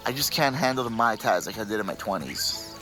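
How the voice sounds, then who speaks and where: An actor in his twenties playing a lazy, excitable gamer bro with a slangy slacker delivery in a comedy audio drama. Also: fairly low pitch, a little fast, faint music behind. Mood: excited. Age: 20s.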